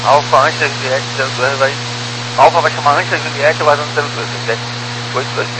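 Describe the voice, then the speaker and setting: A man's voice: fairly high pitch, steady tone, a little fast. A male airline pilot making terse procedural calls in clipped aviation phraseology, over a walkie-talkie style radio. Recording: noisy aviation radio transmission with hum.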